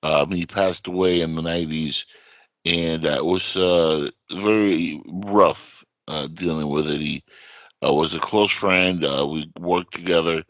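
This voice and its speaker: A man's voice: sits low, steady tone, measured pace, a bit bright, no room sound. A middle-aged man hosting an online radio show, delivering a late-night monologue with a touch of theatrical horror-host showmanship.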